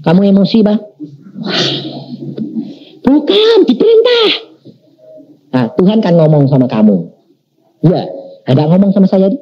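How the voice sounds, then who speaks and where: A man's voice: high-pitched, big pitch swings, normal speed, pauses often, husky, full character voice. A practical wife presses her husband with blunt, doubting questions, voiced by a preacher. Her lines sound like the preacher's own voice. The recording is dull and lo-fi. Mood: doubtful.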